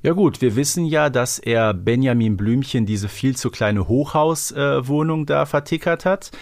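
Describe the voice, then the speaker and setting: A man's voice: medium pitch, moderate pace, vocal fry. A man co-hosting a podcast, chatting casually and retelling a story, often ending on tag questions. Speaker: podcast co-host.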